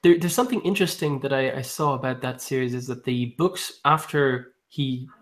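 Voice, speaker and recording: Male book-channel host, average pitch, halting and chatty, chuckles often. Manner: hesitant, many ums and restarts; laughs often while talking. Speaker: booktube host. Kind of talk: casual live-stream book chat.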